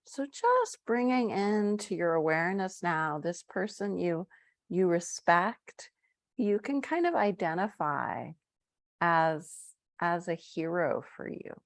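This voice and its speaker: A woman with a lowish voice leads a guided meditation at an unhurried, very slow pace. Her tone is soft and gentle, with long drawn-out phrases. The sound is dry and close, with no room echo. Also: sing-song. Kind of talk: live-streamed guided meditation.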